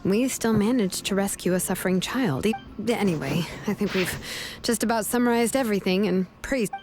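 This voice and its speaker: A woman acts out a young craftswoman from a video game, protective and easygoing. Her mid-pitched voice is casual and reassuring. Music plays clearly behind her. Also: brisk, close to an everyday voice. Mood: matter-of-fact, reflective.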